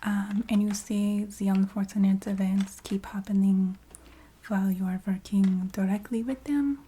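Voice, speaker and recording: A woman playing a courteous, matter-of-fact vampire receptionist in a soft-spoken ASMR roleplay, half-whispering in a put-on Eastern European accent with halting, formal phrasing. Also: mid-range voice, steady tone, a little hiss or hum, natural voice. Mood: polite, regretful. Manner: halting, formal phrasing with small hesitant hums.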